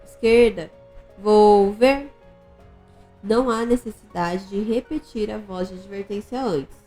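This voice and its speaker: A woman reading an instructional manual aloud in a measured, formal way. She gives extra stress to the command words. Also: medium pitch, a little mellow. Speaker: audiobook narrator.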